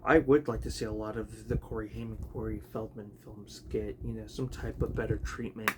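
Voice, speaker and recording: A man chatting casually about his video collection, rambling with many fillers and restarts, his voice a bit raspy. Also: on the low side, fairly even intonation, a little fast. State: raspy, clearing throat. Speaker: home video collector vlogger. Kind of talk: casual unscripted chat. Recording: noticeable background noise.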